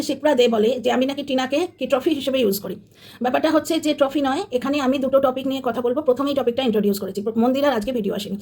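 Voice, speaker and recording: A woman commentator delivers an opinionated monologue straight to her audience. Her voice sits high and her words tumble out quickly. She sounds combative and sarcastic throughout. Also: darkish tone. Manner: combative, sarcastic, addresses viewers directly. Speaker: commentary channel host.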